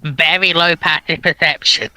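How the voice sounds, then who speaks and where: A man's voice: a little high, fairly even intonation, normal speed, sharp tone, rough recording. A man chatting casually as a livestream panellist, trading joking banter with the others.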